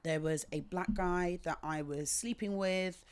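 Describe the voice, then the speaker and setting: This is a lower-voiced woman from England who speaks with a British accent. She is a guest in a relaxed conversation and tells her stories articulately and with plenty of expression. Her delivery is animated and engaged. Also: measured pace, clear, resonant tone. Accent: British English. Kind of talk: casual conversation.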